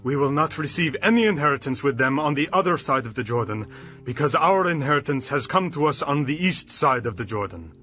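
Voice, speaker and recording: A man's voice: fairly high pitch, expressive, fairly quick, a bit bright, faint music behind. An actor playing an earnest tribal herdsman petitioning his leader with deferential declamation in a dramatized audio Bible. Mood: earnest, resolute.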